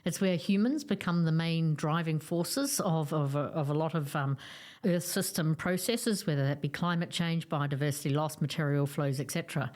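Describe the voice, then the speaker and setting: A woman co-hosts a podcast conversation in a fairly low voice. She explains ideas in a steady, measured way. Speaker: podcast co-host.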